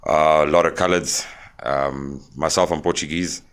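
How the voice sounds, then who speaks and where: Brief: young South African man, very low voice, smooth and clear, frank interview guest. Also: steady tone, fairly bright tone. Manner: plain-spoken, halting with fillers. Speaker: podcast guest. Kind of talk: candid interview storytelling.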